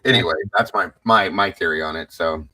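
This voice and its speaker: A man's voice: sits low, fairly quick, pushed and bright, no echo, poor audio. A man on a livestream panel, talking casually and rambling as he searches for words.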